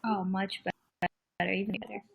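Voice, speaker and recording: A woman's voice: medium pitch, flat delivery, brisk, creaky, phone-quality sound, a little hiss or hum. A woman guest on a casual livestream video call, telling stories animatedly and teasing playfully.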